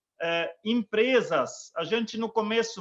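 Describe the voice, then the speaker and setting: Projecting loudly, a man with a German accent and a high pitch is heard in a dry, close recording with no echo. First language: German (speaking Portuguese). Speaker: farmer, agro influencer and radio host. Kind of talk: live panel discussion.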